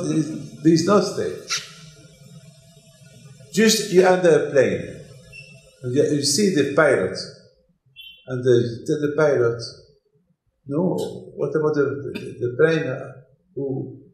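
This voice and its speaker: An older man from Morocco, giving an animated Torah lecture in English, repeating his phrases. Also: fairly high pitch, a little slow, long pauses. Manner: animated, gesturing broadly, repeats phrases, non-native English. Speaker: rabbi. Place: synagogue hall, indoors. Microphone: desk mic on stand. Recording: echoey hall.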